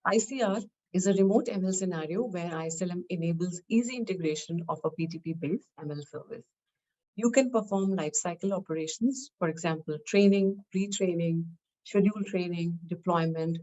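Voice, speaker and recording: A woman giving a scripted technical product presentation, explaining in measured, short phrases. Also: fairly low pitch, warm tone, highs cut off.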